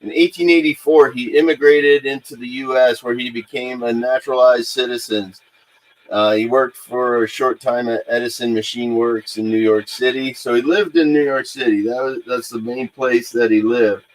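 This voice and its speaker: A man with a mid-pitched voice hosts a casual paranormal livestream. He speaks unscripted and haltingly, often pausing on filler sounds as he gathers the next phrase. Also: steady tone, rough recording. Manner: halting, hesitant delivery with frequent pauses and filler sounds. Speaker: host of a paranormal investigation livestream.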